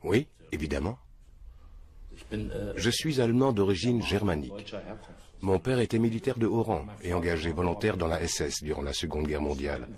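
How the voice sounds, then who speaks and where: A man's voice: low voice, expressive, moderate pace, a crowd in the background. An older man answering interview questions in a matter-of-fact, earnest way, seated in a small room. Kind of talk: documentary interview. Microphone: film crew mic off camera.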